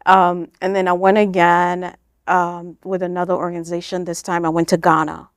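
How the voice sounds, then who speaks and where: Answering interview questions, this Kenyan nonprofit founder uses a lowish voice with flat delivery at normal speed. The sound is studio quality with no echo, and her conversational explanations lean heavily on "like" and "you know".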